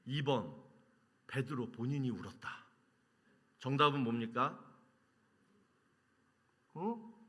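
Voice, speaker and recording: A man preaching a sermon as pastor, quizzing the congregation and answering his own questions, moving between loud emphasis and hushed lines. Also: medium pitch, lively intonation, slow pace, long pauses, slightly rough. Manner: asks the congregation questions and answers them himself.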